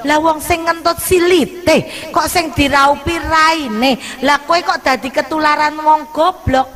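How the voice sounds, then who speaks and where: Retold angry husband, scornful and shouting, voiced by a woman preacher in her own high voice. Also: fairly even intonation, takes it slowly, full character voice. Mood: mocking.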